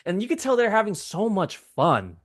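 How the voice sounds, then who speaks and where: A man's voice: high voice, huge pitch swings, moderate pace, fairly bright tone. A man in his thirties whose first language is Vietnamese, chatting casually as a podcast guest and gushing eagerly about cartoons. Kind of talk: casual chat.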